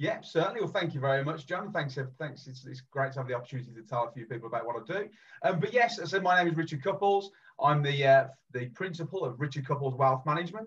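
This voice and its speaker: Very fast and somewhat breathy, the speaker talks with a Birmingham accent, lively intonation and big swings in loudness. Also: man, fairly high pitch for a man. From Birmingham, England. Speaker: financial advisor. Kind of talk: podcast interview.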